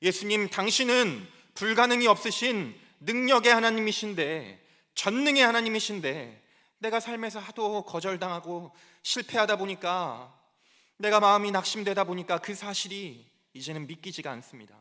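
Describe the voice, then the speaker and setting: A man's voice: sits high, expressive, moderate pace, pushed and bright. A preacher voicing a desperate pleading father. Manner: pleading, anguished. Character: desperate father begging for faith, grown man.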